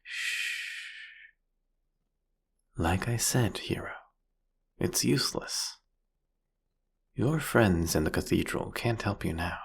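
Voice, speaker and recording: A man's voice: lively intonation, takes it slowly, long pauses, exaggerated voice. A man playing a seductive, possessive vampire king in an intimate audio roleplay, with a taunting, menacing, whispery delivery. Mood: possessive menace. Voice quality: husky, breathy, gravelly low voice.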